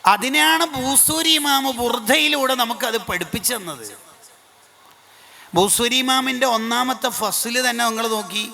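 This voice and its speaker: A man preaching an Islamic sermon with a Kerala accent, swinging between soft low asides and high pleading cries. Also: a little slow, gravelly. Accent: Malayali, Kerala. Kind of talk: Islamic sermon with dramatic recitation.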